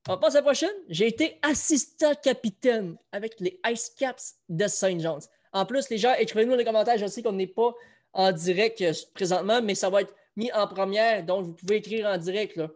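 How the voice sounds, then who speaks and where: Chatty and relaxed, this Quebec-accented man hosts a sports chat show and leads a trivia quiz. His voice is high-set and a little mellow, moving at a normal speed.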